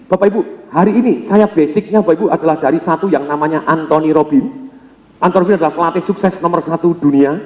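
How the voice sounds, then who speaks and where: A man's voice: fairly high pitch, darkish tone. A man giving a live sales seminar, energetically and constantly addressing the audience directly. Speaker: sales and motivational trainer. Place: large seminar hall. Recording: echoey hall with long reverb.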